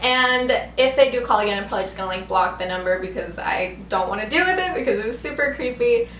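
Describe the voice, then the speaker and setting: Talking fast and expressively, this young woman has a fairly high, fairly bright voice. She's a vlogger rambling through a casual, chatty story full of "like," recorded in an echoey room with noise in the background.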